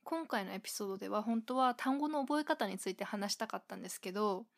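A woman from Japan hosting a casual solo podcast, thinking aloud and filling pauses with frequent fillers. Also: mid-range voice, animated, vocal fry. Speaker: podcast host.

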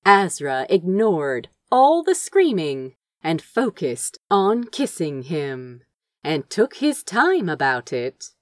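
A woman's voice: fairly low pitch, slow, no echo. A woman reading fiction aloud as dramatic, theatrical narration. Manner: expressive, theatrical storytelling. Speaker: audiobook reader of fan fiction.

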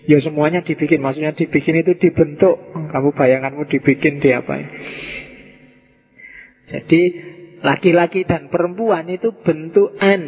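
A man's voice: on the high side, normal speed, long pauses, husky. A man giving an informal classroom lecture, chatty and full of rhetorical questions. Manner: conversational, asks rhetorical questions. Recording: tinny, echoey hall.

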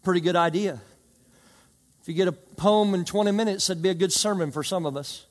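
High-voiced preacher in a reverberant hall. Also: male voice, fairly quick. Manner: emphatic preaching with anecdotes and congregation call-and-response. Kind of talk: sermon. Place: church service with live congregation.

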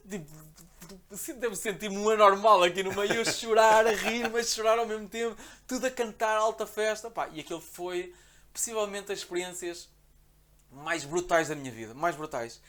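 A man with a European Portuguese accent, a podcast guest telling a travel story in a casual, animated way, acting out the quotes. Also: high voice. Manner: animated, excitable, acts out quotes.

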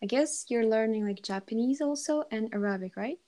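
Mellow-voiced woman interviewer, relaxed prompts. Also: on the high side, fairly quick. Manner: relaxed, prompting with guesses and soft fillers. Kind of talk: casual conversational interview.

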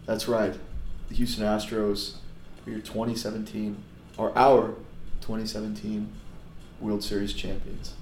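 A man whose voice is worn hoarse hosts a casual podcast, excitable and quick to shout. He sits in an echoey room with faint background hiss. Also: fairly low pitch. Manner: excitable, bursts into loud whoops. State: hoarse, lost voice. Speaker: podcast host.

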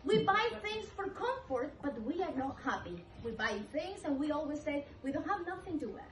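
A woman speaking in an animated, emphatic way. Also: sits high, normal speed. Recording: echoey room, far from the mic.

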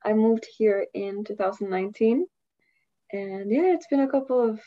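A woman's voice: medium pitch, normal speed. Chatty woman, muffled audio. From Costa Rica. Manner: chatty, laughs often, trails off mid-sentence. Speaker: guest, university student. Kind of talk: casual interview chat. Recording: dull lo-fi audio.

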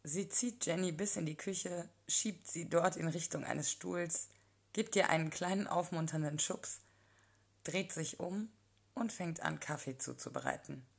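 A woman narrating a first-person erotic story in a calm, intimate storytelling manner. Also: lowish voice, a little slow, creaky, husky.

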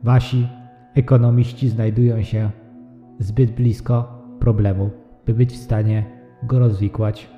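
A man voicing an intelligent yogurt that rules with calm, cold superiority in a measured, formal, commanding way for an audio drama. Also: medium pitch, natural voice. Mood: cool condescension. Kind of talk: audio drama character acting. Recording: muffled, long echoing reverb, faint music behind.

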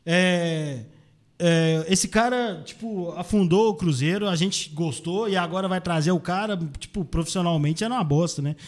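A man, chatting casually. His voice sits fairly high, and he swears and uses slang as he tells his stories. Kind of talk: casual chat.

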